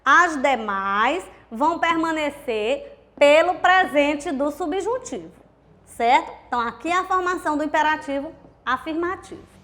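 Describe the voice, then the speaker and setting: A woman teacher with a Brazilian accent giving a recorded grammar lesson, explaining slowly and asking rhetorical questions. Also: high voice, expressive, sharp tone. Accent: Brazilian Portuguese. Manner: slow, deliberate explanation, counting syllables aloud; asks rhetorical questions to the class.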